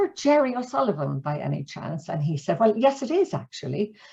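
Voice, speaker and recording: A woman speaks with an Irish accent in a somewhat breathy voice. The background is quiet. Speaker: mediation trainer. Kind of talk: webinar presentation. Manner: fast; halting.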